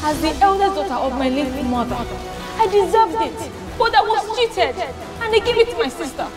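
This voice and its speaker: A woman's voice: extremely high pitch, animated, normal speed, crowd noise. A woman playing a proud, bitter young suspected witch who speaks formally with a Nigerian accent. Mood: defensive, bitter. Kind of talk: acted comedy drama dialogue. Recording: music behind the dialogue.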